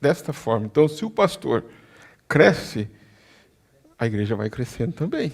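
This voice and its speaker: Lively intonation from a man speaking at a moderate pace. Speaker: preacher. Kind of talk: sermon. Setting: church service.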